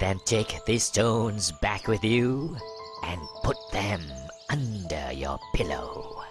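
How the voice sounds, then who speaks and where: A man does a cartoonish character voice with a fairly low pitch and lively intonation. He goes at a very slow pace, with clear music in the background. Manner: silky, manipulative.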